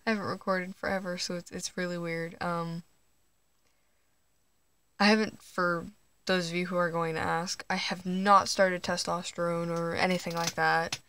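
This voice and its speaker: A teenage trans guy talking quietly and hesitantly at night under his bed, recording on a phone, with nervous laughs. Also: high voice, level tone, moderate pace, vocal fry, clean tone, no echo. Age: teens. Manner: hushed late-night talking. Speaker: vlogger. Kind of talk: casual personal vlog. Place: under a bed at home, indoors. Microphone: phone camera.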